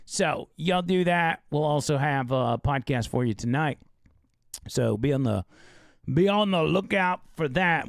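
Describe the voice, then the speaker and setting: A male talk show host with a gravelly, slightly hoarse voice, chatting loosely and reading an ad. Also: on the high side, dry recording, studio quality. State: losing his voice. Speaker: radio and live-stream show host. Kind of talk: casual live talk show with read ad.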